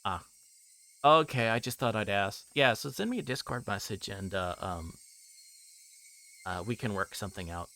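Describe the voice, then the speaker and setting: A man with a fairly low voice streams a visual novel, reading narration and making casual asides. His delivery halts and hesitates when he chats. Faint noise and chirping insects sit behind him. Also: lively intonation, sharp tone. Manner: hesitant, halting when chatting. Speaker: livestreamer.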